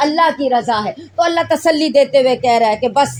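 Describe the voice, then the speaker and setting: A woman speaks in a high voice with lively intonation. Noticeable background noise can be heard. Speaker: majlis speaker. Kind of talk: religious sermon addressed to the women's gathering.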